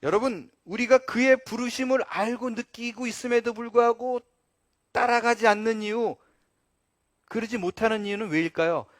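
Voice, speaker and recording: Earnest pastor with high, dry voice. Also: male voice, normal speed, dry recording. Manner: earnest preaching, swings between loud emphasis and quiet low asides. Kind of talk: sermon.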